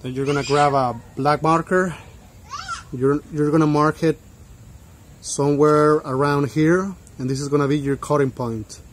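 Casting: young male DIY vlogger, lightly higher-pitched, plain how-to delivery, faint background noise. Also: steady tone, moderate pace. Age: young adult. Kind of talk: step-by-step tutorial narration.

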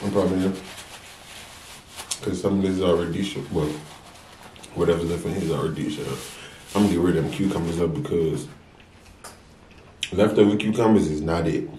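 A man's voice: low-pitched, a little fast, pauses often, dark tone, slight background noise. A young American man talking casually to camera as a mukbang vlogger, giving emphatic, preachy advice with repeated phrases. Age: young adult. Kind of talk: casual advice talk to camera while eating. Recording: roomy echo.

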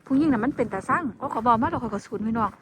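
She talks very fast in a slightly high, expressive voice, with a little hiss or hum on the audio. A woman with a Northeastern Thai Isan accent, she's vlogging while walking in the cold, addressing viewers as siblings and airing long complaints in a casual way.

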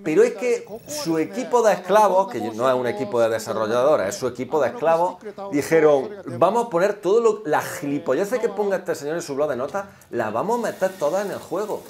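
A man's voice: on the high side, sing-song, fairly quick, crowd noise. A young man giving sarcastic reaction commentary, mocking everything with exaggerated mock delight. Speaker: youtuber reacting to a game demo.

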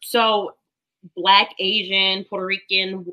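Bright-voiced woman doctor explaining. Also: medium pitch, little pitch movement, takes it slowly, low-quality recording. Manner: confident, explanatory. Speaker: doctor and guest. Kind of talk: explaining health facts. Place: home room, video call.

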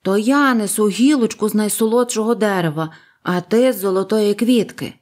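A woman's voice: medium pitch, normal speed, a little mellow, close to an everyday voice. A woman voicing two strong young bird brothers who talk earnestly and bicker. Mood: earnest, arguing. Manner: earnest, arguing.

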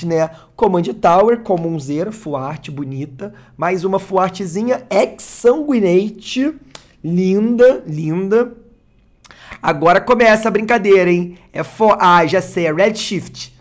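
A Brazilian man with a Brazilian Portuguese accent hosting a card unboxing, excitable and given to sudden gasps and shouts of delight. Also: high-pitched. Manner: excitable, bursts into gasps and shouts over cards. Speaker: channel host.

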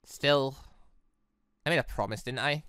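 A woman's voice: extremely low pitch, a little slow, fairly bright tone, clear, resonant tone, no room sound, clean studio sound. A woman voicing a wounded, self-reproaching but defiant young maiden in a visual novel, brooding and dramatic. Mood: despairing.

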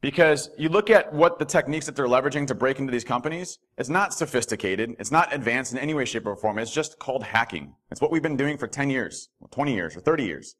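A man giving a conference keynote from a podium in a hotel ballroom, animated and quick, with lots of fillers and restarts. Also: mid-range voice. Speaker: keynote speaker.

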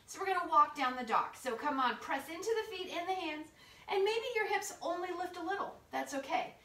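A woman's voice: very high-pitched, lively intonation, brisk, bright, forceful tone. A woman leading a yoga class with playful, informal, encouraging step-by-step cues, recorded from across a living room. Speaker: yoga instructor. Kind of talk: guided yoga class instruction. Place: living room at home, indoors. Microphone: far camera across the room. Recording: roomy home sound, distant camera mic.

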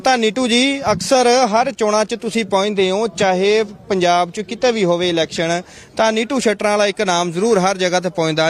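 A man, a TV field reporter asking teasing, pointed questions outdoors. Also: sits high. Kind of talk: probing field interview. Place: outdoors at a vote counting centre.

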